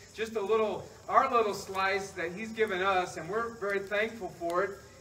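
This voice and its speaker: In a raised, projected voice, a man talks at a moderate pace with fairly even intonation over light background noise. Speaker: pastor. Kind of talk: sermon. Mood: warm, joking. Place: garden. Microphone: camera far.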